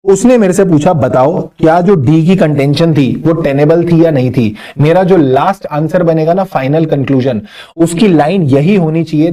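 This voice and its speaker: A young man teaching exam law in a lively, conversational manner, reading question text slowly and adding teasing asides. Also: on the high side. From Punjabi family. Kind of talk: exam-prep lecture, mixing Hindi and English.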